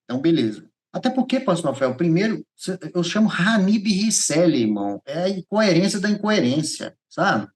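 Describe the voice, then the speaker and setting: A man's voice: high-pitched, normal speed, hardly any pauses. A man with a Brazilian accent from Goiás, giving a personal testimony as a podcast guest, acting out dialogue and repeating phrases as he tells it. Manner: animated storyteller, repeats phrases, acts out dialogue.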